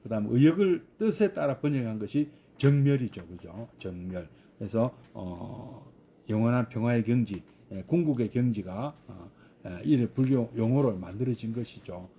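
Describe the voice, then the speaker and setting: Korean monk lecturing, lively dark voice. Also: male voice, medium pitch, moderate pace, slight background noise. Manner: frequent hesitant fillers, rhetorical questions. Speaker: Buddhist monk lecturing on scripture. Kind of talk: scripture study lecture.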